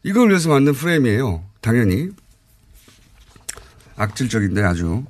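A man's voice: mid-range voice, very animated, moderate pace, a little mellow, dry recording. A man hosting a live radio current-affairs show, talking in an informal, opinionated way with rhetorical questions.

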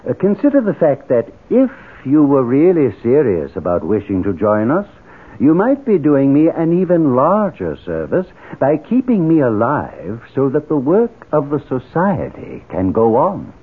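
An actor playing a pompous, condescending cult leader who talks with hesitant courtesy and quiet menace in a 1970s radio drama. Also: male voice, mid-range voice, wildly swooping pitch, a little slow, slightly rough, exaggerated voice. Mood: silky, menacing. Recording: tinny phone-like sound, noisy old radio tape.

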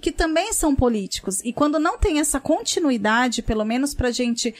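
Outspoken young Brazilian woman, high voice. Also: lively intonation, a little fast. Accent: Brazilian Portuguese. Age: young adult. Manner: outspoken, earnest, frequent restarts. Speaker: school principal. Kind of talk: interview guest on a livestream.

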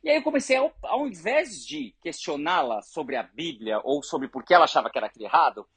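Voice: mid-range voice, fairly quick, breathy edge. A speaker who leads an education group and tells stories earnestly to make a point. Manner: earnest, animated, argues through examples. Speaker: education organization leader. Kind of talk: conversational storytelling.

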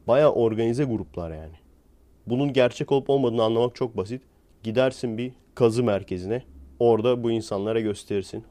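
A man's voice: mid-range voice, mellow. A young man ranting in a casual, sarcastic and mocking way, using slang. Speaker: YouTuber.

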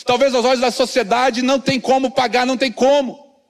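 A man preaching with a high, bright voice that carries through a church with a long, lingering echo. His delivery is earnest, and he sometimes sinks into quiet low tones to drive a point home. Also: little pitch movement, fairly quick. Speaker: pastor. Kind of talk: sermon. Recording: long hall reverb from a church.

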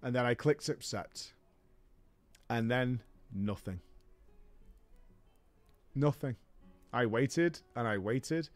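A man's voice: medium pitch, slow pace, pauses often, no echo, faint music behind. A man telling a comic story in a wry, exasperated way. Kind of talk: comedic storytelling narration.

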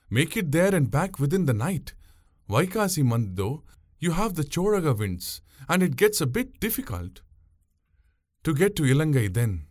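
A bold, unruffled boatwoman in an audio story, performed by a male narrator. She speaks in a raised, lively pitch with conversational, mocking scorn. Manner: taunting, conversational, jovial scorn.

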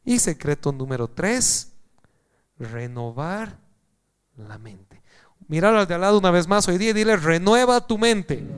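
High, smooth-voiced man preaching. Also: moderate pace, long pauses. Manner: animated and joking, swinging from loud to hushed. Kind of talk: sermon.

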